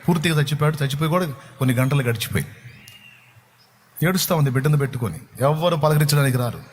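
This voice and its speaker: A male pastor telling a story in a dramatic, repetitive sermon, building up to loud proclamations. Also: on the high side, a little hiss or hum.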